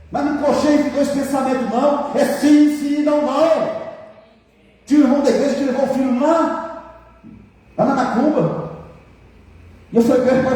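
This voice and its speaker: A male pastor preaching fervently and pausing often to draw amens from the congregation. His voice is high yet mellow. It booms through a large church hall, picked up from a distance with faint background ambience. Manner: fervent, keeps calling for amens. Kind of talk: sermon. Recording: echoey church hall from far off.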